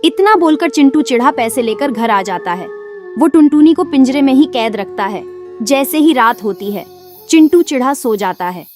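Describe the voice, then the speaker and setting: A woman reads a children's cartoon story in an even, storytelling manner. Her voice sits a bit high. Loud music plays under her. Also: normal speed. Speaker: narrator. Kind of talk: scripted storybook narration.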